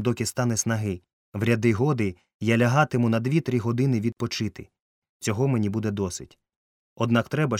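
A man's voice: mid-range voice, no room sound, studio quality, close to an everyday voice. A man reading a resolute young captain.

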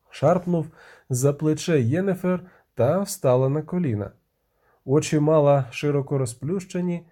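Mellow male audiobook narrator, vivid tense storytelling, bit high. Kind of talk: dramatic fantasy audiobook narration.

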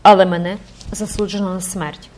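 A woman reading an audiobook voices a frightened young gypsy girl who speaks softly and imploringly. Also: medium pitch, flat delivery, brisk, close to an everyday voice. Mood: terrified.

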